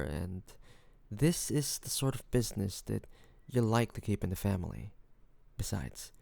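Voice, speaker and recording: A man playing a charming, hospitable mafia boss in an intimate audio roleplay, talking in a relaxed, playful, teasing way to one listener. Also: lowish voice, vocal fry, no room sound. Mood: modest, playful. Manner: relaxed, playful storytelling with frequent soft chuckles.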